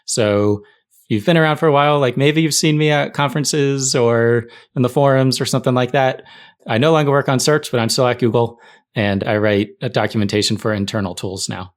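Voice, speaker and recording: This podcast guest, a middle-aged tech writer, talks a little fast in a mid-range voice. He casually recounts stories from his working life in easy conversation.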